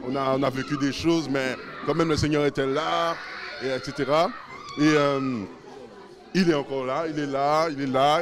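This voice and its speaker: A man interviewed about a church gathering, speaking fervently with repeated phrases and fillers. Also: a little high. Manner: fervent, repetitive. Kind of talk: spontaneous testimony.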